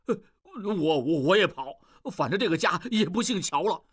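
A woman's voice: on the low side, animated, measured pace, husky. A woman voicing a cowardly male clan elder who stammers and frets in a storybook reading. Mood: panicked. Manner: frantic, stammering, whining.

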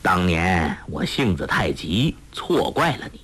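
Stern older master, gruff and curt, performed by a male narrator, husky, slow. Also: big pitch swings, a bit bright, exaggerated voice. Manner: gruff, curt, low and cold. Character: proud, aloof older martial master, stern father.

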